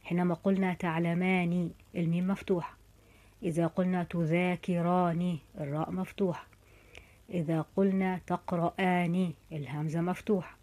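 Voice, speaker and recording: Mellow-voiced woman teaching grammar. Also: on the low side. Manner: methodical, says example verb forms slowly and carefully. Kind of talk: explanatory grammar lesson.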